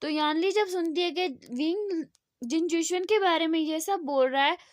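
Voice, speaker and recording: A woman's voice: very high-pitched, no room sound, studio quality. A woman casually retelling a fan story, narrating in a loose, conversational way with lots of fillers.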